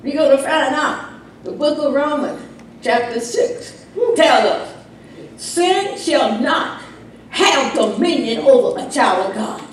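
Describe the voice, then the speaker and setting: A woman delivers a fiery doomsday sermon in a fairly high voice, exhorting and warning of judgment. She drives points home with repetition and rhetorical questions. The recording is heavily echoing, with her voice somewhat distant from the microphone. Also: animated, takes it slowly, slight background noise. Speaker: preacher. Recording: very echoey room, distant microphone.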